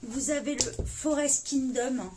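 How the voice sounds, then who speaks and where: A woman from France hosts her coloring channel, speaking to her viewers in a gentle, earnest tone. She often stops to search for words and fills the gaps with little hesitations. Her voice sits a touch higher than most. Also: slow pace, background noise. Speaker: YouTube coloring channel host. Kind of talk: casual video address to viewers.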